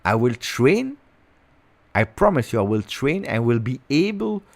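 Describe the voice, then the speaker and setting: A man hosting a casual football livestream, playful and chatty, who keeps stopping and repeating words. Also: mid-range voice. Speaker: football channel host.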